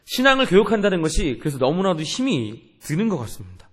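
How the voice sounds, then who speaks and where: A man's voice: on the high side, sing-song, fast talker, fairly bright tone. A young man, a youth pastor, preaching a sermon in an earnest way and asking the congregation questions.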